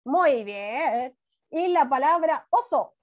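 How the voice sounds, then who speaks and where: Chilean teacher lady on a zoom class, high voice, slow and sweet, muffled lo-fi sound. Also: lively intonation. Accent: Chilean Spanish. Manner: affectionate, encouraging, calls pupils "mi amor". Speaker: first-grade teacher. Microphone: video call. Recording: dull lo-fi video call audio.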